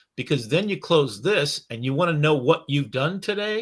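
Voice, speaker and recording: A man's lively, fairly high-pitched voice at a moderate pace, with music in the background. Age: 60s. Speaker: digital artist demonstrating AI tools. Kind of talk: software walkthrough in a live stream. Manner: casual, conversational.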